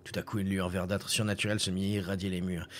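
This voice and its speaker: A man's voice: sits low, flat delivery, fast, slight background noise. A male streamer chatting casually over a game, swearing and reading texts aloud.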